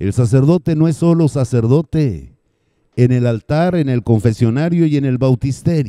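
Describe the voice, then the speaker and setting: Dark and mellow in tone, a man speaks at a fairly slow pace. The sound is dry with no echo, and the background is quiet. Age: 60s. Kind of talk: sermon. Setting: church. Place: church. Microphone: handheld.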